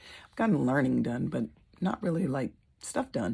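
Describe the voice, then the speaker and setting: On a very clean recording with a silent background, a woman's dark, mellow tone carries vocal fry. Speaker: mom entrepreneur vlogger. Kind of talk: casual vlog monologue.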